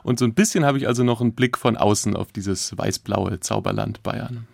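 A man from southwestern Germany, a journalist guest in the studio, talking in a brisk, matter-of-fact way. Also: fairly low pitch, creaky, dry recording. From Stuttgart, Germany. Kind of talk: casual chat. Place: radio studio.

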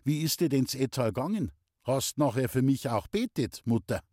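A man reading an audiobook, voicing a calm young woodcarver with a Bavarian accent, gentle and coaxing. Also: mid-range voice, moderate pace, dry recording, studio quality, close to an everyday voice. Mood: warm.

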